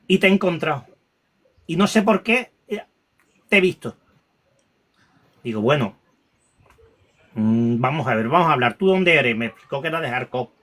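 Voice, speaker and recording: A man telling a painful personal story, halting with restarts and repetitions, audibly moved and close to tears. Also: a little high, animated, fairly bright tone. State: emotional, near tears. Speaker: guest recounting a paranormal experience.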